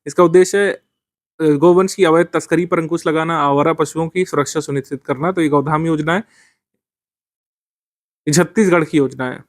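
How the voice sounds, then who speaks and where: A man's voice: fairly high pitch, steady tone, normal speed, long pauses, no echo, studio quality. A man teaching current affairs for a civil services exam, explaining step by step with frequent fillers.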